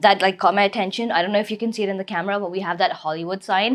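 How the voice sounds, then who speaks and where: This is a woman's voice. Her pitch is medium. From India, partly raised in California. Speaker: YouTuber, study-abroad mentor. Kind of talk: casual vlog Q&A. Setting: Airbnb apartment, filmed on camera. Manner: casual, filler-heavy.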